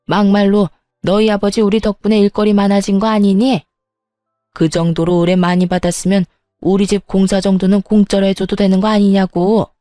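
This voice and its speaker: A middle-aged mother-in-law, greedy and sure she is owed, played by a woman storyteller. She scolds in an entitled way. The voice is warm and darkish, dry and close, over faint music. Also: mid-range voice, level tone, brisk, no echo, lightly acted. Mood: scolding entitled.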